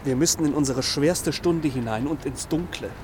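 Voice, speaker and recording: An actor playing a solemn, pleading revolutionary in a stage-style radio drama. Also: male voice, a little high, moderate pace, background noise, natural voice. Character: male liquor-seller revolutionary, earnest and pleading. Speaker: revolutionary urging a comrade on.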